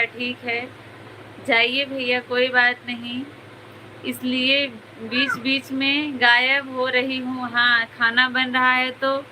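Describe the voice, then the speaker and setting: A woman hosting a casual live stream from home, chatting with viewers and greeting them by name. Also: high-pitched. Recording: noisy home ambience behind the voice.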